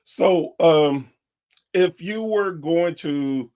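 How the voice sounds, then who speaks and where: A man hosting a podcast, praising his guest with many halting restarts. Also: a little high, darkish tone. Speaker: podcast host. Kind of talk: casual interview talk.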